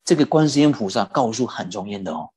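Lively husky-voiced Buddhist teacher. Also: medium pitch. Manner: animated, drawn-out particles like 哦 and 啊. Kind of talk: storytelling dharma talk.

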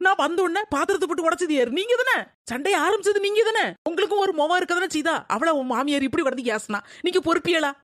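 A woman's voice: sits high, quick pace, few pauses, fairly bright tone, no room sound, clean studio sound. A woman playing a young daughter-in-law who argues back indignantly, in a family quarrel skit. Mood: hurt defiance.

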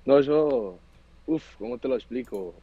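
A man's voice: mid-range voice, huge pitch swings, moderate pace, vocal fry, breathy edge, no room sound. A man in his twenties from Cali, Colombia, with a Colombian accent, giving plain, modest answers in a video-call interview. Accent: Colombian Spanish. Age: 20s. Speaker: guest footballer. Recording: dry, dull video-call audio.

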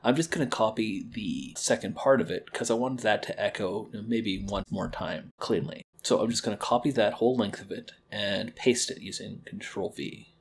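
A man's voice: lowish voice, normal speed, hardly any pauses, slight background noise. A young man hosting a library tutorial, explaining audio editing step by step in a friendly way, recorded at home. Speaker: library program host. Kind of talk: software tutorial. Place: home kitchen-living room, indoors.

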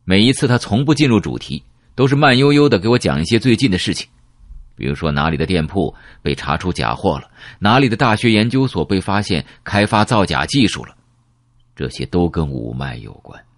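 A man narrating an audiobook in the first person, reflective and measured. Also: low-pitched, dry recording, studio quality.

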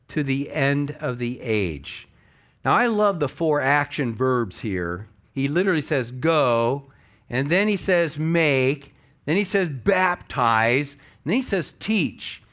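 A man's voice: a little high, fairly bright tone. An older American man preaching a sermon as a pastor, in a conversational, emphatic way. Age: older, about 60. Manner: conversational, emphatic, acts out imagined objections. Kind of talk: sermon with scripture reading. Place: church stage at a lectern.

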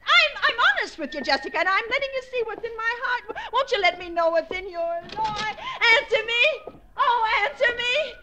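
In 1940s radio suspense style, an actress plays a frightened, guilt-ridden sister who pleads in a breathless, quavering delivery. Her female voice is very high-pitched with big pitch swings at a moderate pace, heard on a noisy vintage radio recording.

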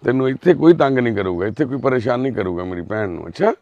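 A man doing social service on a live video, gently soothing a frightened girl and repeating his reassurances. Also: mid-range voice, expressive, racing, highs cut off. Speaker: social worker helping a lost girl.

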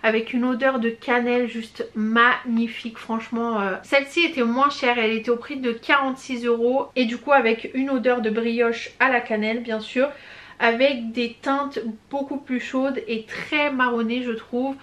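Young female vlogger, slightly high voice, chatty and effusive, casual review tone. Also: fairly even intonation, moderate pace, fairly bright tone. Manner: chatty and gushing, many hesitations and slang. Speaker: beauty vlogger. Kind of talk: casual product review chat.

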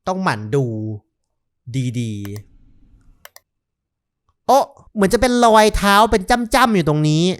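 A young man talks through a horror game in loose, casual commentary. He is excitable, swears freely and yelps when startled, and his voice swings widely in pitch. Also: unhurried, pauses often. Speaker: gaming YouTuber. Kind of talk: casual let's-play commentary.

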